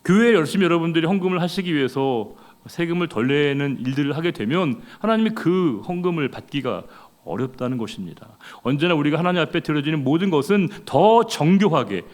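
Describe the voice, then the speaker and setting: A middle-aged pastor with a voice on the high side preaches a sermon conversationally, putting rhetorical questions to the congregation.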